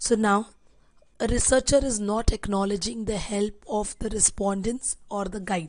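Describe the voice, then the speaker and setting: A woman speaks quietly. Her pitch is fairly high. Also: fairly even intonation, moderate pace. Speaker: online exam-prep teacher. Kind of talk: lecture.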